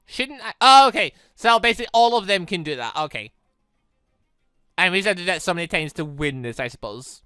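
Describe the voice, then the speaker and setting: A gamer giving casual let's play commentary, muttering moves and thinking out loud. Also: mid-range voice, animated, fairly quick, clear, resonant tone, no room sound, studio quality, soft background music. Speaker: gaming video host.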